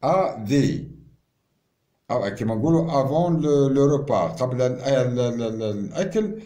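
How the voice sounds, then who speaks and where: A man teaches pharmacy terms with a warm, mellow tone and a lively, rising and falling pitch. He talks slowly, mixes in French words and often stalls and repeats himself. The room around him is echoey. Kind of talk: informal lesson.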